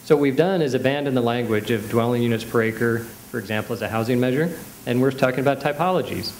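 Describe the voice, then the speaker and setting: A man's voice: medium pitch, quick pace, a little mellow, slight background noise, poor audio. A man on a discussion panel explaining planning ideas in a lecturing way.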